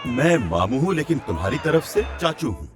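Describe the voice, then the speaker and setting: A man's voice: a little high, big pitch swings, fairly quick, crowd noise. A man dubbing a young man who is a teasing but reassuring friend and uncle to a baby. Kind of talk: dubbed TV drama acting. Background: background music.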